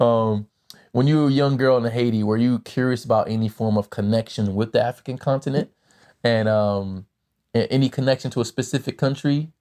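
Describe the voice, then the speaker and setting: A man's voice: medium pitch, a little fast, mellow. Thoughtful man hosting an interview. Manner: thoughtful, many fillers, asks long questions. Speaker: podcast host. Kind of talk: conversational interview.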